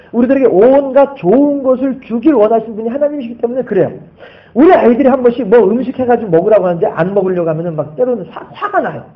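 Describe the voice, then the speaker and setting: A male pastor delivers a church sermon with a very high, lively voice that rises and falls widely. He drives his points home with emphatic rhetorical questions to the congregation. The recording is dull and lo-fi. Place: church service.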